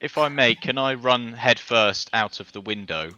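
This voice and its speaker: A man's voice: mid-range voice, normal speed, bright, forceful tone, a little hiss or hum. A man playing a tabletop game, talking casually about his character. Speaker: player. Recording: dull lo-fi audio.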